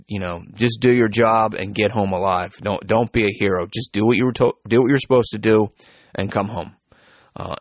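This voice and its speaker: A man's voice: lowish voice, no echo. A man hosting a podcast, speaking casually with many fillers and restarts as he introduces an interview. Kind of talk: casual spoken introduction, then interview questions.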